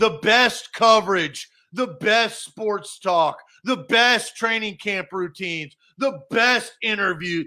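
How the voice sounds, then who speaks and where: Raised and projected, a man's high-pitched voice comes across animated in tone, bright and sharp. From Nashville, Tennessee. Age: 30s. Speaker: sports talk host. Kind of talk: casual chat.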